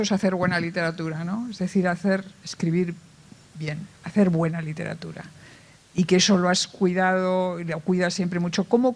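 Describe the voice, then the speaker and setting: An interviewer at a book presentation asking long, rambling questions with hesitant phrasing. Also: medium pitch. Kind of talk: conversational questions.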